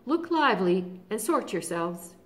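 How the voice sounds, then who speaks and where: A woman's voice: mid-range voice, sing-song, a little slow, darkish tone. A woman voicing a noble male lion king who gives bold, commanding calls.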